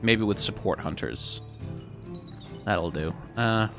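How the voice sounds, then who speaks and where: Over music, a man plays a video game and talks casually in a lowish voice, taking his time. He muses aloud and lets his words trail off while reading the text on screen.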